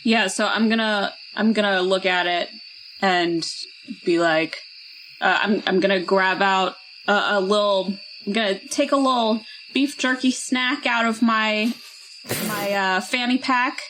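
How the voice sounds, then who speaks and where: A woman with a mid-pitched voice talks very slowly as a player in a tabletop game. She is laid-back and slangy, hesitating as she improvises. Faint crickets and owls are heard behind. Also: fairly bright tone, poor audio. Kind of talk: casual improvised role-play chat. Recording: faint noise with night insects and owls.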